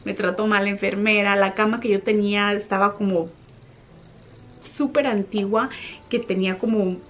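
A young woman vlogger casually telling a personal story to her viewers, animated when she retells what people said. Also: mid-range voice, normal speed, highs cut off, a little hiss or hum.

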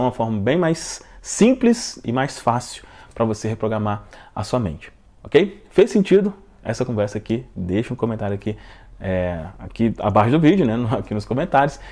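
A man with a Brazilian Portuguese accent, hosting a self-help video in a casual talk to camera. He talks in a chatty way, tags his phrases with little checking questions, and breaks into loud bursts to stress a point. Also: mid-range voice. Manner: rises into loud bursts when making a point.

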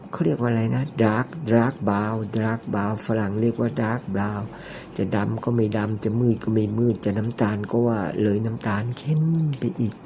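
Here a man talks through an ear-cleaning demo in a purposely raised, gentle, almost falsetto voice that turns creaky, adding joking, conversational asides over slight background noise.

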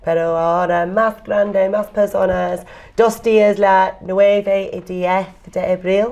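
Woman, English-speaker's accent, non-native, slow halting delivery, medium pitch, interview guest. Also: steady tone, darkish tone. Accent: English-speaker's accent in Spanish. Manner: halting non-native speech, searching for words. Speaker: interview guest, event organiser. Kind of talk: casual interview answers. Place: indoor room, seated interview.

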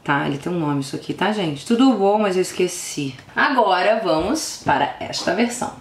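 A young woman with a Brazilian Portuguese accent, gushing and exclamatory as she unboxes an album, dropping into hushed whispers and bursting into sudden squeals. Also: fairly low pitch, animated, moderate pace. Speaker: vlogger. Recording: roomy echo, faint background noise.

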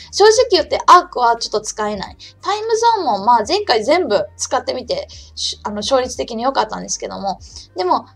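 A woman's voice: a little high, vocal fry, husky. A woman hosting a live-streamed trading lesson, chatty and casual, talking to herself, reading viewer comments aloud and calling herself by name, her throat just recovering from soreness. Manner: chatty, talks to herself and reads chat aloud; calls herself by name in the third person. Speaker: trading channel host.

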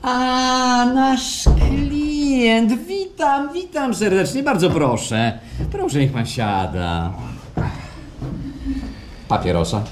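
An actor in a radio play playing an effusive, courteous, inquisitive clinic administrator, with halting, fawning politeness. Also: male voice, extremely high pitch, very animated, exaggerated voice. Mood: gushing welcome. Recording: faint background noise, live stage.

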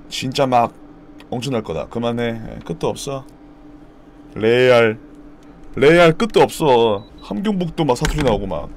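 Young male streamer, casual and animated, bursts into mock dialect shouts, faint background noise. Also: medium pitch. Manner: playful, mimics regional dialect words loudly. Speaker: live streamer. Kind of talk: casual stream chat, reading viewer comments.

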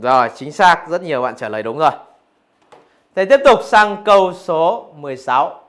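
A man's voice: on the high side, lively intonation, normal speed, a bit bright. A male physics teacher going through exam answers, asking his students rhetorical questions as he explains. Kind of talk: exam review lesson.

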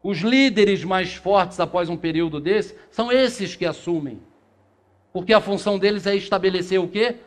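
A middle-aged Brazilian man gives a spiritist lecture to a seated audience in a small meeting room, reading passages aloud and posing rhetorical questions that he answers himself. His voice is high-pitched, at normal speed. He's picked up by a far camera, with no handheld mic.

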